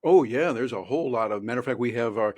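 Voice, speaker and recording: A man who speaks professionally, talking as an interview guest on a video call in a lively, animated way and acting out quoted voices. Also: medium pitch, quick pace, no echo, clean studio sound. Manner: animated, acts out quoted voices and audience reactions. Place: home office in Orlando. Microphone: webcam on a video call.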